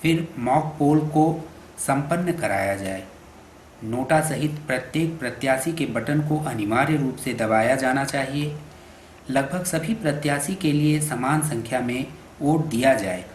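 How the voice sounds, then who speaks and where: A man reading scripted instructional narration for a training film in a formal, measured, instructive way. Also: medium pitch, slight background noise. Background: background music.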